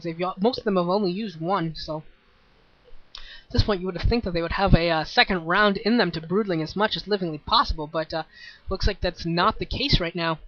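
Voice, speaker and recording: Bright, high-voiced male game caster. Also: no room sound, dull audio. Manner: rambling, repeats words, excitable bursts. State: voice starting to tire. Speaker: esports caster. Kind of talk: solo play-by-play commentary.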